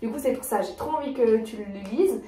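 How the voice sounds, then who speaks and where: A woman's voice: a little high, a little fast, warm tone. A young woman chatting casually as a vlogger, talking with many fillers and restarts. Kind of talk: casual chat. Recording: echoey room, voice from far off.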